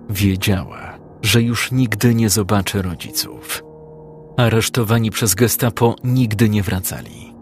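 A man narrating a dramatic story in a calm, measured audiobook reading. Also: on the low side.

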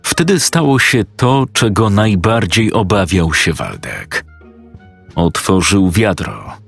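A man narrating a scripted story in a steady, matter-of-fact way. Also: fairly low pitch, takes it slowly, creaky, slightly rough, soft background music.

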